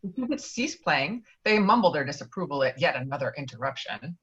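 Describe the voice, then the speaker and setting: Casting: woman narrator for stage directions, lively intonation, slightly muffled video-call sound. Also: sits low, brisk. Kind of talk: scripted narration, screenplay table read. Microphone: virtual table read over video call. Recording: dull lo-fi video call audio.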